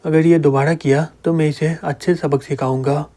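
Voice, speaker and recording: A powerful young hero who brushes off his enemies with calm disdain, read by a man narrating a comic. The voice is mellow and slightly high. The reading is plain, in a storybook way. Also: moderate pace, lightly acted. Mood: dismissive.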